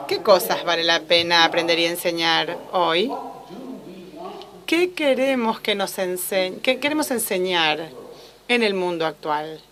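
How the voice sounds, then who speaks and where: A woman's voice: mid-range voice, a bit bright. Woman interpreting a lecture live. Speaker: simultaneous interpreter.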